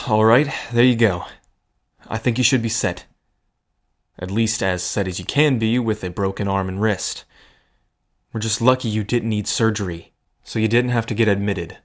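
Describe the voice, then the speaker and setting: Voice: mid-range voice, moderate pace, natural voice. A performer acting a protective, stubborn friend in an audio drama, speaking firmly with dry sarcasm and care. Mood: gentle, wry. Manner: firm, sarcastic, caring.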